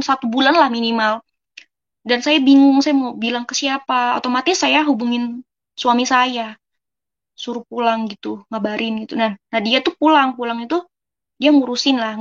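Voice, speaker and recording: On a muffled recording, a fairly high-pitched female voice delivers an informal testimony about her own life. She is a young woman from West Java, Indonesia, who talks earnestly, keeps treating her audience as friends, and plays out conversations as she goes.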